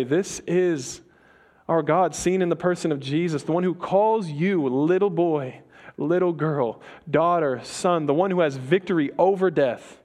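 Casual, quick-talking young male preacher. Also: on the high side, darkish tone. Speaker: pastor. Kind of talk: sermon.

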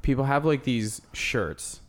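Rambling young man, mid-pitched. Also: unhurried, a little hiss or hum. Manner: rambling, filler-heavy, lively impressions. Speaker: podcast co-host, band member. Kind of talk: casual chat.

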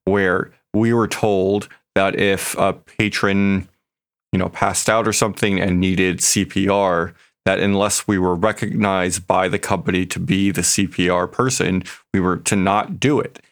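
A man co-hosting a podcast in casual, emphatic conversation with a gravelly, creaky voice. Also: deep voice, fairly even intonation, a little slow. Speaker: podcast co-host.

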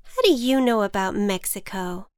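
Storybook butterfly, female played by a woman reader: nervous, protesting, smooth high tone, dry close sound. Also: lively intonation, normal speed, no echo, natural voice. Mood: curious. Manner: anxious, protesting, exclamatory. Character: timid, stubborn female butterfly afraid of flying. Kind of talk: children's storybook character voice.

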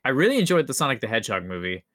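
A man's voice: medium pitch, sing-song, very fast, fairly bright tone. A man on a podcast panel chatting casually, thinking aloud and repeating his phrases as he works out a point. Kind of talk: casual chat.

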